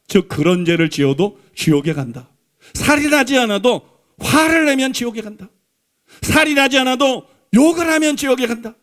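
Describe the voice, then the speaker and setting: A man's voice: very high voice, a bit bright. A male pastor preaching a Sunday sermon in a church. He is emphatic, repeats his points and keeps asking the congregation rhetorical questions. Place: church sanctuary.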